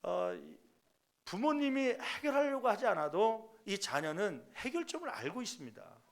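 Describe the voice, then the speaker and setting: Middle-aged man, pastor; high, gravelly voice; preaches emphatically and voices the people in his stories. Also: very animated, normal speed. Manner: acts out parents and child in quoted voices; emphatic, rising to loud peaks. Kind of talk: sermon.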